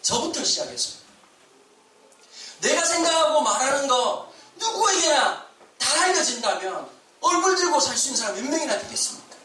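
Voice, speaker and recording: A man's voice: extremely high pitch, normal speed, a little hiss or hum. A male pastor giving a sermon, telling stories and acting out quotes with animation. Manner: animated storytelling with acted-out quotes. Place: church sanctuary. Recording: echoey church hall, mic at a distance.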